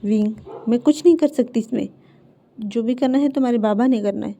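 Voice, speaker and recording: A woman voicing a gentle, worried middle-aged mother who hushes and soothes, in a dull lo-fi recording. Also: on the high side, fairly quick, vocal fry.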